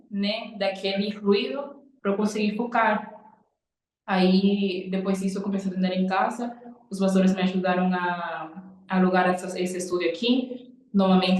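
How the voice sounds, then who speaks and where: A woman's voice: medium pitch, a little mellow. A young Cuban woman, a nail designer, earnestly telling her personal story in an interview. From Cuba. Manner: earnest, repeats "literalmente" and "tipo". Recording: echoey room.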